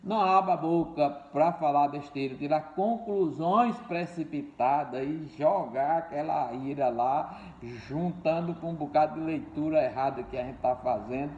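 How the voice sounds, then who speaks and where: An older man preaches to his congregation, repeating key words and calling them brothers. His voice sits a little high but sounds mellow and dark. The recording is roomy and dull, like lo-fi audio from an echoing church. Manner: repeats key words, addresses listeners as dear ones and brothers. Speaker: pastor. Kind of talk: sermon. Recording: echoey room, dull lo-fi sound.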